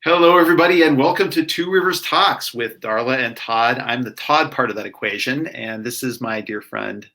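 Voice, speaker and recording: This man co-hosts a small local talk show, chatting casually and drifting through long stories. His voice has a bright, forward edge, and he keeps dropping "like" and "you know" between phrases at a middling pitch. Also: moderate pace, few pauses. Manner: rambling, filler-heavy storytelling with frequent "like". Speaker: co-host. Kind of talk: casual chat.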